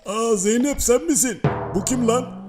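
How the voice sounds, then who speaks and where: A man plays a brash tomcat with a very high, squeaky voice. He swears and yelps at every surprise, and cartoonish music plays behind him. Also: unhurried. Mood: alarmed. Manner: cursing, jumpy, exclaiming. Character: brash foul-mouthed male house cat.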